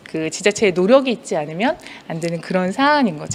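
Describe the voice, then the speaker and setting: There is noticeable background noise. A woman's voice swings very widely in pitch. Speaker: transport policy researcher. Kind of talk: conference presentation. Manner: halting.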